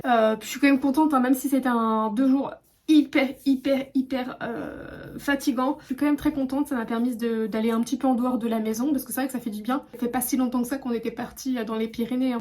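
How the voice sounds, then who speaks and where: A woman from France talks casually to camera from a hotel room, her voice pitched high but mellow rather than bright. She rambles along with fillers and restarts, chatting loosely as a vlogger. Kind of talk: casual vlog chat to camera. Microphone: phone camera.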